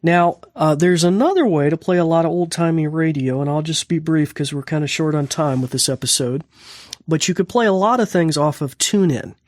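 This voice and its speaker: An American man hosts a casual how-to podcast in a fairly high voice. The sound is dry and close as he explains and issues spoken commands. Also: fairly quick, darkish tone, no room sound. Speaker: podcast host and instructor.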